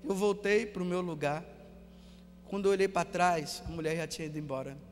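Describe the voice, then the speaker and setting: High-voiced Brazilian priest in a big echoing hall. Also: male voice, steady tone, a little fast, faint music behind. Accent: Brazilian Portuguese. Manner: storytelling, repeats words for emphasis, drops to a hush. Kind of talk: sermon.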